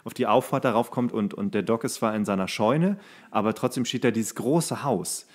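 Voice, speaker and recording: A man hosting a podcast, chatting casually about films in a rambling, halting way, searching for words. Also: fairly low pitch. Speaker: podcast host. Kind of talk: casual film chat.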